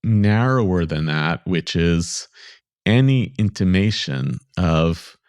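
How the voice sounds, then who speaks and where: A man's voice: sits low, expressive, slow pace, darkish tone, clean tone, dry recording, studio quality. A man hosting a podcast interview, asking thoughtful, probing questions in a conversational way. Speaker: podcast host.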